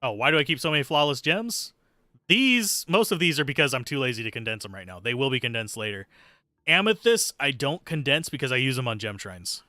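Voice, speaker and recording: A man's voice: mid-range voice, animated, fairly quick, bright, forceful tone, dry recording, clean studio sound. A man giving casual, sweary live gameplay commentary and chatting with viewers in a sardonic, self-deprecating way. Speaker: game streamer, host.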